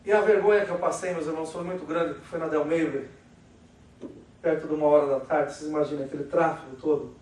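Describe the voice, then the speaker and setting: A Brazilian pastor preaching with a Brazilian Portuguese accent, his fairly high voice warm and mellow. He swings from loud declarations to a hushed storytelling tone. He is heard from far off in a very echoey church hall with faint background noise. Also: steady tone, fast. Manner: preaching loudly, then drops to a quiet storytelling voice. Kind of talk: sermon.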